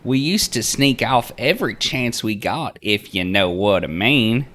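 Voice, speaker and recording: A man's voice: mid-range voice, animated, unhurried, a bit bright, voice pushed up. Game role: nosy, chatty young mother, folksy and teasing, raised swooping voice, performed by a man. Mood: knowing, teasing. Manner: folksy, over-familiar.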